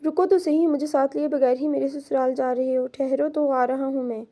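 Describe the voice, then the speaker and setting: A woman reading an audio novel aloud, voicing a lively young man who fires off anxious questions. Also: high voice. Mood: playful. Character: carefree teasing young man, worried brother-in-law.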